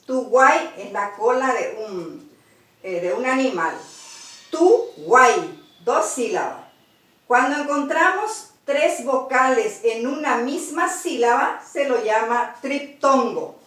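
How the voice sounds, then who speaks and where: A woman teaching a language lesson, spelling out syllables slowly and repeating each example word. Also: high voice, lively intonation, fairly bright tone. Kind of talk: slow spoken language lesson. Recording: roomy echo, far from the mic.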